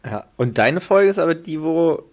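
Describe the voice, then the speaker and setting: A man's voice: fairly high pitch, animated, moderate pace. A man co-hosting a casual podcast, teasing his friend with dry, short replies. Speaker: podcast co-host. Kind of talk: casual chat between friends.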